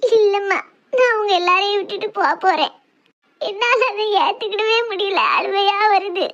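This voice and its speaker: A tearful young village bride from a comic skit pleads, as a woman acts her out. Her voice is very high and weepy. The recording sounds dull and lo-fi. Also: normal speed, a bit bright.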